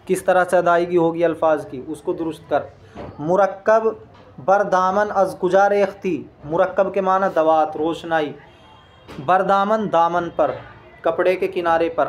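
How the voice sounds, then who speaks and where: A man teaching a lesson. He reads each Persian phrase aloud, then patiently explains and translates it word by word, repeating key points. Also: high-pitched.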